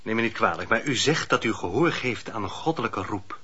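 An actor playing a sceptical, courteous judge who questions formally and reproachfully in a radio drama. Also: male voice, fairly low pitch, animated, a little fast, a bit bright, breathy edge. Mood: indignant. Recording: dull, lo-fi radio play recording.

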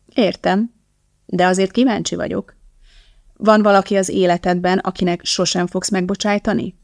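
A woman voicing a sharp, skeptical young woman chemist in an audiobook, with a pointed, questioning manner. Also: medium pitch, fairly even intonation, creaky, no echo, studio quality, lightly acted. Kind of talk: audiobook character voice.

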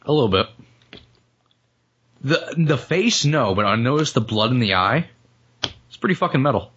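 A male podcast co-host, hoarse and losing his voice after the flu, chatting casually and joking with frequent laughs. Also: medium pitch, lively intonation, normal speed, a bit bright, muffled recording. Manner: joking, rambling, laughs often. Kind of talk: casual comedic chat.

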